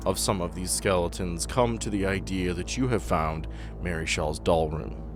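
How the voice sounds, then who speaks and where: Sex: man. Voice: low-pitched. Role: game master. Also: normal speed. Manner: suspenseful, descriptive storytelling with casual asides. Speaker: game master of a tabletop RPG podcast. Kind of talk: improvised horror narration and rules talk for a tabletop game. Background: music under the voice.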